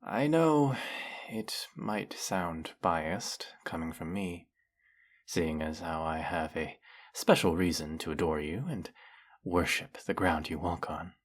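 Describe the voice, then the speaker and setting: A man playing a flirty, fanatically devoted demon familiar in a dramatic audio roleplay, with fawning, formal diction and a breathy, husky voice. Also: sits low, slow pace. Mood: mournful, devoted. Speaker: voice actor. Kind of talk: dramatic roleplay monologue spoken to the listener.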